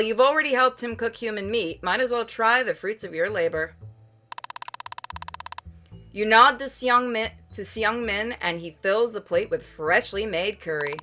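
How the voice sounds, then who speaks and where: A woman's voice: medium pitch, sharp tone. A woman streaming a game casually, playful and informal, chatting and reading aloud. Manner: playful, informal, swears freely. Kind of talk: casual livestream chat and read-aloud game narration.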